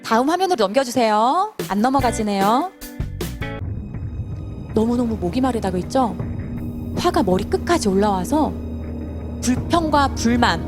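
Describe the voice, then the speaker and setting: A woman's voice: a little high, lively intonation, normal speed, pauses often, music in the background. A Sunday school teacher, a woman, telling a Bible story to children and asking them questions as she goes. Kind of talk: children's sermon.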